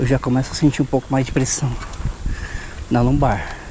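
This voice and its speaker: A man talks with fairly even intonation. Noticeable background noise sits behind him. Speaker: cycling youtuber. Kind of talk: vlog while riding uphill. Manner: deliberately calm and quiet.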